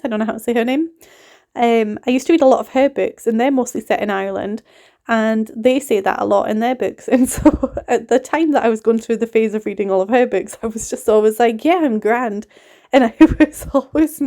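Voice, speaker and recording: A woman's voice: on the high side, mellow. A woman in her thirties with a mixed northeast English and Scottish accent, chatting casually in a voiceover for her cleaning vlog, rambling and laughing often. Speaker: cleaning vlogger.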